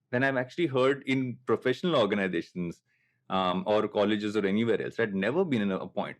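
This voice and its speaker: Telugu-accented Indian man, late thirties, chatting. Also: medium pitch. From coastal Andhra Pradesh, India. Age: late 30s. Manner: anecdotal, self-deprecating. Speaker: podcast host. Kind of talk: casual reflective conversation.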